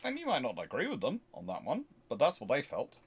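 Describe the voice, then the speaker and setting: A man hosts a casual, unscripted question-and-answer commentary, thinking aloud haltingly and growing emphatic as he explains. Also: medium pitch, wildly swooping pitch, husky. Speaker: history channel host answering viewer questions.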